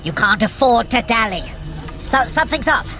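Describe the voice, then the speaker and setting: A woman's voice: fairly high pitch, animated, moderate pace. A woman playing a smug, boastful trickster sorcerer who coaches a runner in an audio drama, theatrical and wry, taunting mortals. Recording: loud music under the voice. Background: music.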